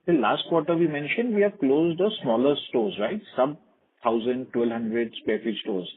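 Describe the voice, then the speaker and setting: A man with an Indian accent and a husky voice, an analyst asking questions on an earnings call by phone. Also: mid-range voice. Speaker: financial analyst. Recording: narrow tinny phone line.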